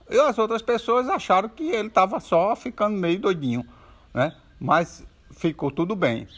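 A man telling children's folk stories aloud in an animated way, with sound effects and asides. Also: high voice, breathy edge. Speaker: storyteller. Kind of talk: oral children's storytelling.

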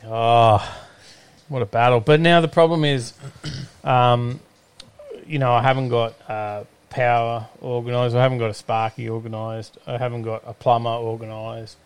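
A man's voice: mid-range voice, little pitch movement, normal speed, smooth, no room sound. An Australian man hosting a live stream in casual, rambling chat, hesitating often as he goes. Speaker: host of a live-streamed show.

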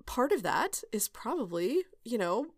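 A woman's voice: a little high, very animated, a little slow, no room sound, clean studio sound. A woman hosting her own podcast, talking casually and candidly with lots of fillers, restarts and light laughs. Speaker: podcast host and OB/GYN. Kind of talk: casual solo podcast chat.

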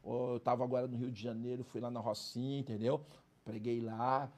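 A former criminal who now speaks in prisons tells his story as a guest in a casual interview, emphatic and streetwise, constantly checking in with "entendeu?" and "cara." His voice is mid-range and a little mellow, with little pitch movement and a normal pace.

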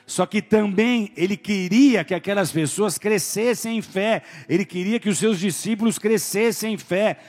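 Animated preacher, higher-pitched man. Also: moderate pace, hardly any pauses. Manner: animated storytelling, acting out voices, shouting at peaks. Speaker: pastor. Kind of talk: sermon.

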